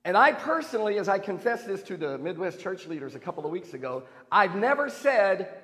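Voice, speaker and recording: Man, pastor, sermon, chatty self-deprecating delivery, high voice for a man, long church reverb. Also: sing-song, fairly quick, a bit bright. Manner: conversational, self-deprecating humor. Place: church sanctuary.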